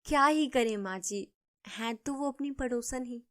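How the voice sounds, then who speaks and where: A woman voicing a polite, dutiful young daughter-in-law who speaks calmly and placatingly in a cartoon story. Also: on the high side, measured pace.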